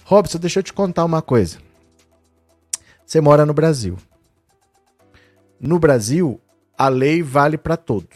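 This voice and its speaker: A man's voice: a little high, expressive, a little slow, long pauses, darkish tone, no echo, soft background music. A middle-aged man hosting a casual live-stream commentary, indignant and talking straight to viewers.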